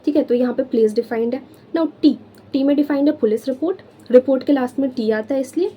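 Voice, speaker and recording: A woman's voice: high voice, fast, breathy edge, highs cut off. A young Indian woman teaching law, mixing Hindi and English with friendly check-ins as she explains memory tricks. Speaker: law tutor. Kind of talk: exam-prep lesson.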